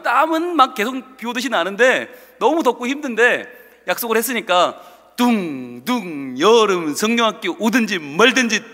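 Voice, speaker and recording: A male pastor telling a story in a sermon, animated, acting out the voices of the people in it, in a church sanctuary. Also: high voice, big-room sound. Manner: animated, acts out quotes.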